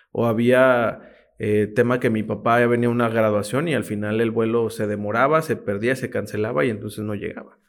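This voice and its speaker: An unremarkable speaking voice from a man, medium in pitch, fairly quick, with fairly even intonation on a very clean recording with a silent background. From Mexico, Torreón (Coahuila). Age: 20s. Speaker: podcast host and communications strategist. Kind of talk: casual interview chat. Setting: in-person studio recording.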